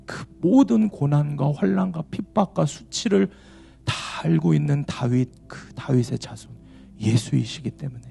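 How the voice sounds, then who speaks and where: A male pastor telling a story in a sermon at church, swinging between loud exclaims and hushed low tones. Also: creaky.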